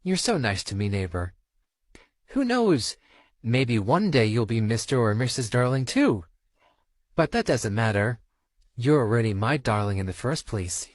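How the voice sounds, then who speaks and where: A performer plays an affectionate male puppet who greets the listener as a dear neighbor. His pitch is middling but swoops about with lots of expression. The delivery is gentle and flirtatious, in a dry, close recording. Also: very animated, unhurried, dry recording. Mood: touched, affectionate. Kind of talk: in-character roleplay addressed to the listener.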